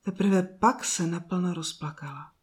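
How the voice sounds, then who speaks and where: A woman narrating a children's fairy tale in a calm, soft and slow reading voice. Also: lowish voice, slightly rough. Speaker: storyteller. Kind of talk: scripted storybook narration.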